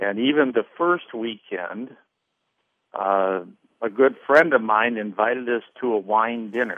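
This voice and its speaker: This man talks at a fairly slow pace, his medium pitch moving with ordinary variation. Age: 60s. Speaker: caller. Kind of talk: call-in testimony. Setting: phone call. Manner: halting, many uh's.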